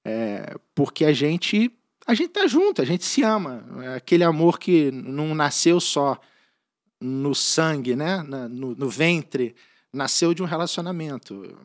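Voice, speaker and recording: A Brazilian man with a slightly higher-than-usual voice tells his personal testimony as a guest on a church podcast. He speaks earnestly and from the heart, stumbling and restarting his phrases as he recalls his story. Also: very animated, measured pace. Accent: Brazilian Portuguese. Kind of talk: personal faith testimony in conversation.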